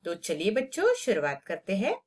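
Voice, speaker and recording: A woman's voice: mid-range voice, huge pitch swings, moderate pace. A woman teaching a Hindi lesson to children, stretching out and repeating each word so pupils can copy it. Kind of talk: slow classroom lesson for children.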